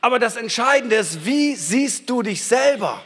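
A man preaching a fervent sermon, swinging between shouting and quiet, intense declarations. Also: very high voice, expressive, moderate pace, breathy edge. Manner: shouting with fervor, then dropping to quiet declarations. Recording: reverberant hall.

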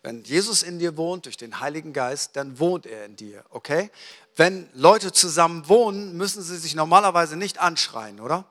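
A man delivers a sermon in a lively storytelling manner, slipping into little acted-out exchanges. His voice is bright and sits a bit high. It carries with a long reverb through a large hall. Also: normal speed. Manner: lively storytelling, acts out dialogue. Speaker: preacher.

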